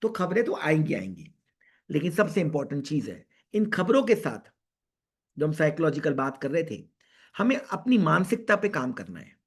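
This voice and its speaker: Husky man lecturing earnestly. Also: a little high, sing-song, moderate pace. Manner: earnest, repetitive, mixes English into Hindi. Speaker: psychiatrist speaker. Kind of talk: online lecture. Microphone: video call.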